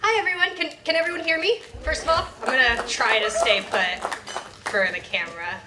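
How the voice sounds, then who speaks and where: A young woman researcher giving an animated talk to a live audience, moving around as she speaks. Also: high-pitched, fairly quick, background noise. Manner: animated and energetic, moves around while speaking. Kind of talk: lively public lecture to a live audience. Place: lecture room with audience. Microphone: handheld or stand mic, sometimes away from it. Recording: echoey room, voice from a distance.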